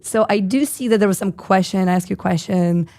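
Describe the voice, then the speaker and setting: A woman in her thirties hosting a live stream with a hoarse, husky voice, chatting casually and reading viewer comments aloud with lots of fillers. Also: mid-range voice, a little fast, warm tone. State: hoarse, lost voice.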